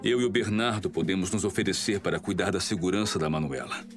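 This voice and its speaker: An actor playing a determined, daring male police detective in an audio drama, with a grave, deliberate delivery. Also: sits low, over music, close to an everyday voice. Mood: resolute.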